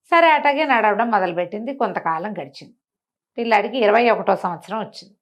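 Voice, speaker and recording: A woman's voice: mid-range voice, expressive, fast talker. A woman storyteller telling a folk tale conversationally to a listener, explaining as she goes and acting out the characters' dialogue. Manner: colloquial, explanatory, acts out characters' dialogue with asides.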